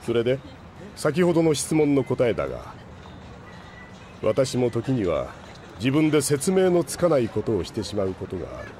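A man playing a stoic, reflective older man with formal, deliberate phrasing in an audio drama. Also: medium pitch, big pitch swings, mellow, a little hiss or hum, natural voice. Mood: stoic, pensive. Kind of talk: anime-style audio drama acting.

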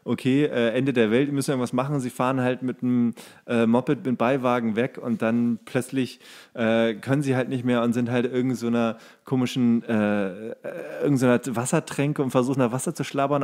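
A man's voice: mid-range voice, fairly even intonation, fairly quick, darkish tone. A man co-hosting a podcast in a casual, conversational style. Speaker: podcast co-host. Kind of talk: casual chat.

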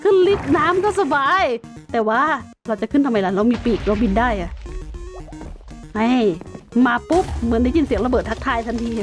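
High-pitched woman narrating her minecraft build, playful little sound effects, soft music under. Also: very animated, brisk. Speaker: gaming streamer. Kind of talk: casual Minecraft gameplay commentary.

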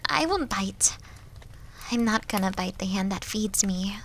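A woman's voice: mid-range voice, expressive, unhurried, slight background noise. A woman voicing a timid, needy, self-loathing young wolf girl in an ASMR roleplay, plaintive and hesitant, often dipping toward a whisper. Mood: shy, soft. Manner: soft, hesitant, breathy dips into whispering, plaintive. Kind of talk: ASMR roleplay audio drama.

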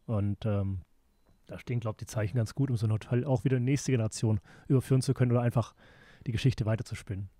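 A man's voice: medium pitch, fairly even intonation, fast, mellow, no room sound. A man hosting a casual interview, speaking appreciatively and often in short fragments. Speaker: podcast host, interviewer.

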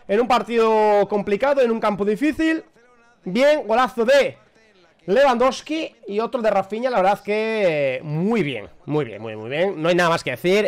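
A man reacting live to a football match as a fan, chatty and excitable, shouting at the big moments. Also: high voice.

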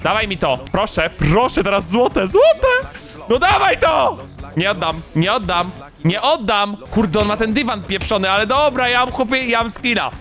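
A man giving excited, rapid game commentary, repeating phrases and breaking into shouts as he plays. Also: high-pitched, soft background music. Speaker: gaming YouTuber.

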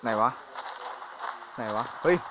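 A man giving jokey, excitable commentary while playing a shooting game, exclaiming often. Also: slow pace, highs cut off, noisy background. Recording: game sounds and gunfire behind.

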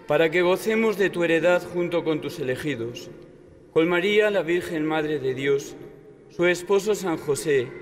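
An older priest with a somewhat high voice reads the Mass prayers steadily and formally. A long cathedral reverb hangs after every phrase. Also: male voice. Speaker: concelebrating priest. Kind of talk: liturgical prayer recitation. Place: large cathedral. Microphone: stand microphone at the altar.

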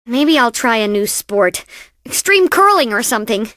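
A woman's voice: a little high, sing-song, normal speed, a bit bright, no echo, studio quality. A woman voicing a perky, cocky young female bandicoot racer in a video game, with a sassy, boastful, exaggerated cartoon delivery. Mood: sulky. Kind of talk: video game character voice lines.

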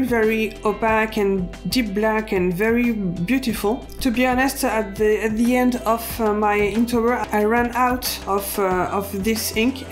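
A woman in her thirties with a French accent, casually presenting a sketchbook tour in halting English as an illustrator and channel host. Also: on the high side.

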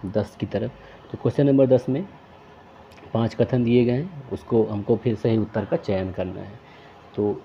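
A man's voice: medium pitch, dull audio, slight background noise. Methodical man reading quiz answers. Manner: methodical, reads each question and options aloud then names the answer. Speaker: quiz tutor. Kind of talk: exam question walkthrough.

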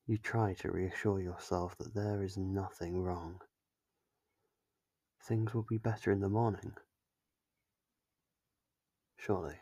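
Low, slow, gravelly man narrating. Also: fairly even intonation, warm tone, no echo. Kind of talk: second-person ASMR horror story narration.

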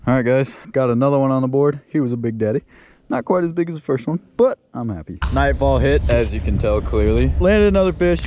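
A man hosting his fishing channel, chatting excitedly and jokily to viewers outdoors at night by a creek, recorded on a head-mounted camera. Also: mid-range voice, brisk. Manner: excitable, jokey, talks to viewers. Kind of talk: casual outdoor vlog commentary. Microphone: head-mounted action camera.

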